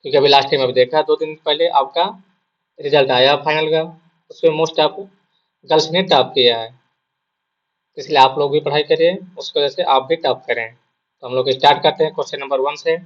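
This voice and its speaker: A man with a sore throat coaches exam students in a loose, conversational lesson. His voice sits slightly high and keeps coming back to the same points. The sound is muffled and low-fidelity. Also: steady tone, moderate pace. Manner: repeats points, asks and answers his own questions. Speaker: exam prep teacher. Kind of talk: casual spoken lesson.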